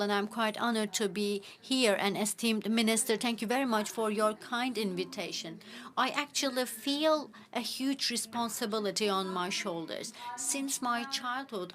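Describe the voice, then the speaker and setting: A woman giving live English interpretation of a panel discussion, halting, with frequent "actually" fillers. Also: mid-range voice, a bit bright. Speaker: simultaneous interpreter.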